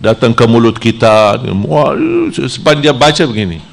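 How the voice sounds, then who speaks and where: A man from Saudi Arabia, preaching a sermon in a lively style whose pitch jumps high when he plays out temptations. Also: moderate pace, gravelly.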